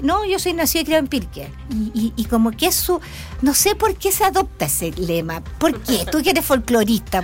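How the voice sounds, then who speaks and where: A middle-aged woman, hosting a casual local talk show and putting questions to her guests. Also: high-pitched. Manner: chatty, asks leading questions. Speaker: radio show host and town councillor.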